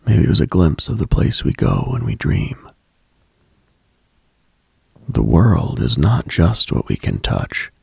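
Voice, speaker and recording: Deep, gravelly, husky late-night radio man. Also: sing-song, no room sound, clean studio sound. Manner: hushed, unhurried, contemplative, addresses listener directly. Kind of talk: intimate late-night mystical monologue, ASMR-like.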